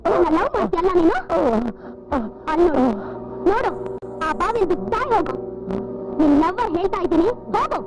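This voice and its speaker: An actress with a Kannada accent playing a frightened young actress, pleading and then scornful, in a film drama. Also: female voice, extremely high pitch, animated, a little fast, pauses often, muffled recording. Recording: film soundtrack with loud music.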